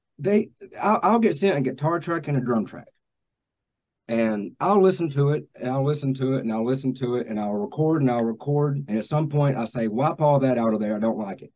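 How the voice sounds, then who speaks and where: A man with an Appalachian accent and lively intonation. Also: medium pitch for a man, fairly quick pace. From Hazard, Kentucky. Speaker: music composer. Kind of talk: casual interview.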